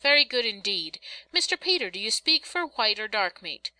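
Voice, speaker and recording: A woman's voice: on the high side, very animated, moderate pace, bright, forceful tone, no room sound, exaggerated voice, rough recording. A woman voicing a bossy, sarcastic but loving working-class mother who scolds and instructs in folksy rustic dialect, as in a storybook reading. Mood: brisk scolding.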